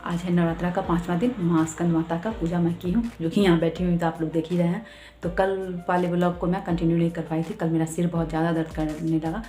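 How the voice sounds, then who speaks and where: Give me a woman vlogger with a slightly low voice chatting through her home puja routine step by step. The room rings with echo, and soft music plays faintly underneath. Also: flat delivery, quick pace. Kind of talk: casual devotional vlog talk.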